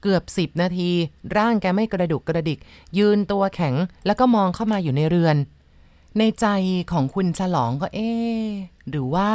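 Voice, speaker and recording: A woman narrating ghost stories in a measured, dramatic storyteller's manner, addressing her listeners politely. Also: lowish voice, darkish tone, dry recording. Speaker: storyteller host.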